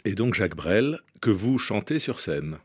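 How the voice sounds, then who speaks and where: Brief: radio interviewer, lowish male voice, dry studio sound. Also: big pitch swings, unhurried, a little mellow, breathy edge, no room sound. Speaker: radio host.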